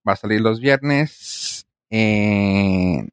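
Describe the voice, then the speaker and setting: A man's voice: fairly low pitch, very slow, clean tone, no room sound. A man with a Mexican Spanish accent, chatting casually as a podcast co-host in colloquial, slangy language. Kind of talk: casual chat.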